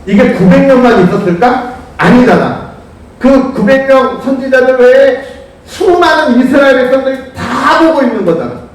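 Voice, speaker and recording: A man preaching a lively storytelling sermon to young people, asking them questions and calling on them by name. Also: very high voice, moderate pace. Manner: animated, asks listeners questions, calls on them by name. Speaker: youth pastor. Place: church sanctuary. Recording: echoey church hall, distant mic.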